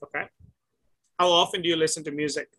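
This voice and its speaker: This male tutor gives a one-on-one online English conversation lesson, patiently taking a student through simple questions by video call. He speaks quickly with fairly even intonation and some vocal fry, his voice very bright, sharp and fairly high. Along the way he repeats her answers, corrects them gently and offers praise.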